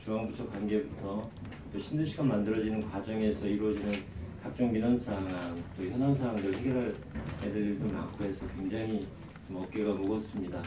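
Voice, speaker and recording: A man with a head cold gives a formal, measured press briefing as a government official, reading out official plans. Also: fairly low pitch, fairly even intonation. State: has a lingering cold. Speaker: government official, city bureau director. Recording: roomy distant microphone, faint background noise.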